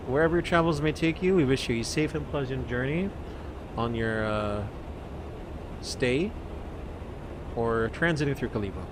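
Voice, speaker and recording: A man speaking as a pilot on a cockpit headset mic, making radio calls and a relaxed airline cabin announcement with frequent fillers. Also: mid-range voice. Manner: relaxed, chatty, pausing with fillers. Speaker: virtual airline pilot on a flight simulator. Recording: steady loud background noise.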